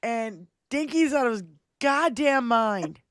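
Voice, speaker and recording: A woman's voice: on the high side, animated, takes it slowly, dry recording, clean studio sound. A woman hosting a casual political livestream chat, welcoming guests and laughing often, swearing casually. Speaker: host.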